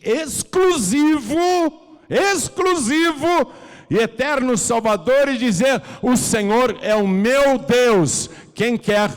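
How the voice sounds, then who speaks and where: A Brazilian man preaching as a pastor, moving between soft pleading and loud, fervent calls to come forward. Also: medium pitch. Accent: Brazilian Portuguese. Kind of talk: preaching a sermon with an altar call. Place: large church hall. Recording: reverberant church hall.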